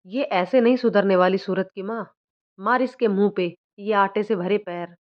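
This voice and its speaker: A woman's voice: medium pitch, moderate pace, lightly acted. A woman voicing a cruel, mocking village father-in-law who eggs others on, in a dull lo-fi recording. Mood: gruff. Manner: gruff, egging others on.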